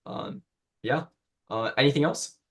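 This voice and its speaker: Easygoing host with a Spanish accent. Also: male voice, medium pitch, a little slow. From Spain. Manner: easygoing, laughs often, hesitant with fillers. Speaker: podcast host. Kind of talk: casual podcast interview. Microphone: video call.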